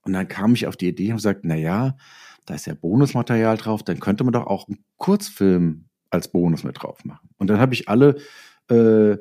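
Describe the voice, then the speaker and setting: Low, mellow middle-aged man telling stories. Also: animated, fairly quick. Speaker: interview guest, author and filmmaker. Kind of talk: casual interview storytelling.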